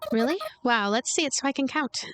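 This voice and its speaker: A woman voicing a blunt, aloof young woman in a game who fancies herself a ninja, offhand and deadpan. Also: high-pitched, fairly quick. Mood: dismissive.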